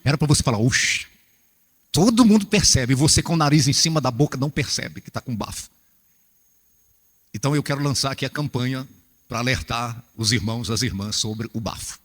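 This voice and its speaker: A Brazilian man preaching a humorous, animated sermon to church workers, acting out little scenes as he goes. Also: mid-range voice, fairly quick, long reverb tail. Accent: Brazilian Portuguese.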